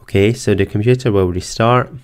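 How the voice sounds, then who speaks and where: A man narrating a screen-recorded computer tutorial, calmly explaining each step in order. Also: lowish voice, fairly quick. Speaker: tech tutorial presenter. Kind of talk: screen-recorded software walkthrough. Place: voice-over for screen capture.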